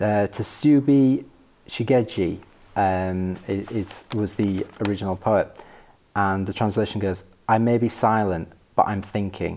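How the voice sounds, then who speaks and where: A man's dark, mellow tone, fairly low in pitch, with fairly even intonation and a fairly slow pace. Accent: British. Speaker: guest sharing a poem. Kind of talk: reflective conversation. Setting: live in-person event.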